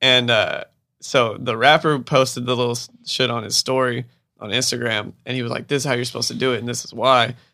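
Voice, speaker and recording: A man with an American accent at a fairly quick pace, medium pitch, monotone, flat intonation and big swings in loudness. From Bakersfield, California. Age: 20s. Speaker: audio engineer. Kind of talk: casual chat. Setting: studio.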